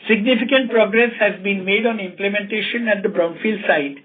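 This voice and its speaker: A man with an Indian accent formally reading out financial results as a company executive, in a measured way, over a telephone conference call. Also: high-pitched. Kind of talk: scripted financial results presentation. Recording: tinny narrow phone line.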